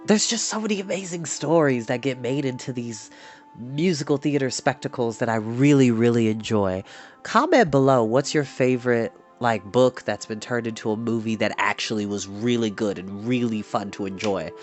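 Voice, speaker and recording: A man hosting a storytime show, chatting to his audience in a theatrical, animated, exuberant manner. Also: medium pitch, moderate pace. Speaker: storytime host reading books aloud. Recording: music behind the voice. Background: background ambience music.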